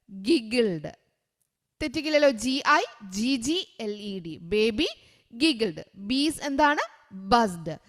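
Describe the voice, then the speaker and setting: A woman's voice: fairly high pitch, in a large hall. A woman tutor with a Kerala Malayali accent revising for an exam with children, asking questions, answering them herself and spelling English words letter by letter. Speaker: online tutor.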